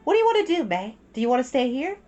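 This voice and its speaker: A woman reader puts on a responsible schoolgirl, the older sister in a storybook. The voice is high and lively, with polite, earnest manners. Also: very fast, muffled recording, faint music behind. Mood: patient, coaxing. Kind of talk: children's storybook character voice.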